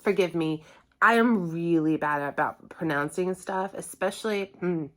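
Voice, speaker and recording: Rambling, low-pitched woman chatting casually. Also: a little slow. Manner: rambling, self-correcting, apologetic. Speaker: host of a music reaction channel. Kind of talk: casual chat to viewers.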